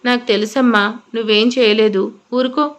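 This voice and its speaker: A woman's voice: fairly high pitch, steady tone, moderate pace, natural voice. A woman voicing a stern elderly aunt who heads the household, scolding and comforting by turns. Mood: soothing. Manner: scolding then soothing.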